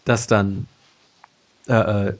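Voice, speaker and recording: This podcast co-host is a man in his late twenties with a fairly low, level voice and drawn-out words. He rambles through casual chat, full of fillers and restarts, and laughs often. The recording has its highs cut off and a noisy background.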